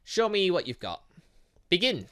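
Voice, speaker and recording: Guy reading out a cocky girl fighter from a visual novel, teasing, eager, bright animated voice. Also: sits high, moderate pace, full character voice. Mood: challenging. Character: eager, cocky young woman fighter who loves puns. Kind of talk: visual novel dialogue read aloud.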